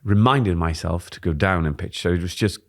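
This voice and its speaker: Low gravelly man on a podcast. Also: a little fast. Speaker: podcast co-host, presentation coach. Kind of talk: casual podcast chat. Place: dim studio with warm lamps. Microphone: studio mic on boom arm.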